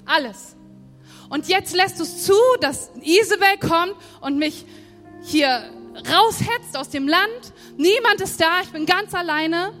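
A woman's voice: sits high, fairly bright tone. A woman voicing a weary male prophet who pleads and feels abandoned, in a sermon. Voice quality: pleading, emotional. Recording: long hall reverb, faint music.

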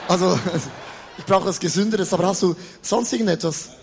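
A Swiss man preaches with a notably high voice, playful and chatty. He stumbles into quick repetitions and banters with his listeners. His Swiss German accent is plain throughout. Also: vocal fry. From Switzerland. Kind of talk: lively humorous sermon.

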